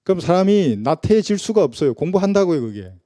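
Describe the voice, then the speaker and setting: In a church sermon, a pastor with a Gyeongsang Korean accent talks fast in a high, mellow voice, very animated and casually conversational. He asks rhetorical questions and briefly acts out people he quotes, recorded in studio quality with no room sound.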